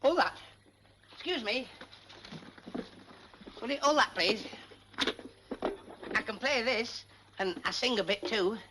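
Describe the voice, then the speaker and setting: An actor playing a naive, cheerful young mill worker, talking in an eager, gormless, giggly comic way. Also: male voice, very high-pitched, animated, slow pace, pauses often, background noise, heavily acted. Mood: bemused.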